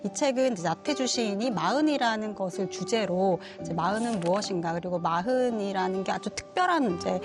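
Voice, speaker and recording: A woman's voice: medium pitch, animated, brisk, few pauses, music in the background. A woman co-host who introduces a book in a thoughtful, explanatory way with frequent fillers.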